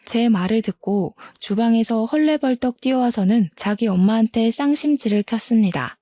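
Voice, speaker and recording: A woman narrating a first-person family story in a calm, scripted recounting. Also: on the high side, moderate pace, dry recording.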